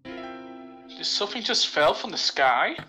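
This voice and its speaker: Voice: medium pitch, very animated, takes it slowly, over music. A person playing a game with a friend, teasing and playful in casual chat. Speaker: game player.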